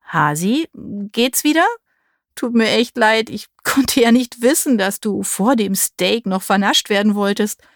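A woman's voice: medium pitch, normal speed, darkish tone, no room sound, studio quality, natural voice. A woman voicing a cheerful young man, the playful boyfriend in a romance audiobook, teasing and upbeat.

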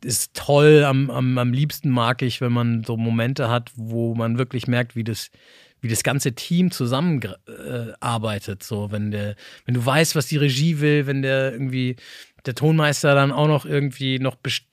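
A man's voice: medium pitch, normal speed, dry recording. Reflective man with a dry close sound. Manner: reflective, rambling with many restarts. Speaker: voice actor. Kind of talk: casual podcast conversation.

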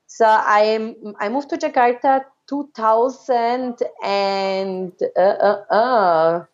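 Woman from austria chatting on a podcast, lots of ums and restarts, kinda muffled audio. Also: a little high. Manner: halting, many fillers and restarts. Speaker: podcast guest. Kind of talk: casual interview storytelling.

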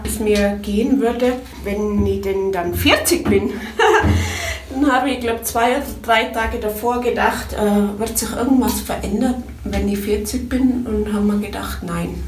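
A woman's voice: mid-range voice, slight background noise. Chatty woman in an echoey sauna. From Tyrol, Austria. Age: 40s. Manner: chatty and rambling, laughs often. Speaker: guesthouse owner. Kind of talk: casual vlog chat. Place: small wooden garden sauna. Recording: roomy echo, voice far from mic.

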